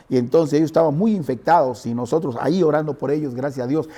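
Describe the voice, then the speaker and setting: A dark, mellow tone in a man's fairly high voice. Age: 60s. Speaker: bishop, pastor. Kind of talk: interview testimony.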